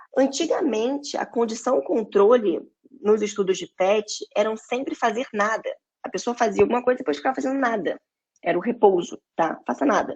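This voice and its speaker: With lively intonation and a touch of vocal fry, a woman talks at a fairly high pitch. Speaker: neuroscience researcher. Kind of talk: lecture. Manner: fast.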